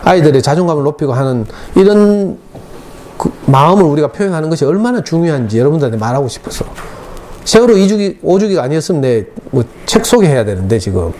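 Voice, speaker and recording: Middle-aged gyeongsang guy lecturing parents, quick and animated, mellow tone, bit of room hiss. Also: fairly high pitch. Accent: Gyeongsang Korean. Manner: emotional storytelling, dialect speech. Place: school lecture hall.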